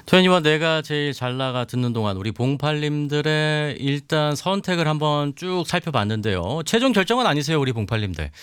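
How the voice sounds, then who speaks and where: A man hosting a live show, reading viewer comments and running a pronunciation game in a chatty, animated way. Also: fairly high pitch, brisk, hardly any pauses, smooth, dry recording, clean studio sound. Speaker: show host. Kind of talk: lively live-stream hosting.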